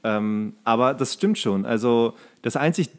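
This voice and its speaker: A man's voice: medium pitch, unhurried. A man co-hosting a podcast, chatting casually in colloquial speech and rambling from one thought to another. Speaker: podcast co-host. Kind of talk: casual chat.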